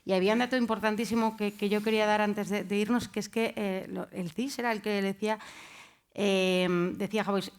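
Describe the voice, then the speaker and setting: A woman journalist speaking on a discussion panel, pausing often with fillers. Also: medium pitch. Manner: hesitant, many fillers.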